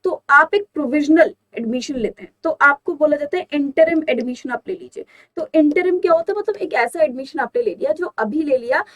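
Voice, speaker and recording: Woman, high voice, vocabulary teacher, asks and answers her own questions. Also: poor audio. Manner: reads English example sentences slowly and deliberately. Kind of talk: exam-prep vocabulary lesson.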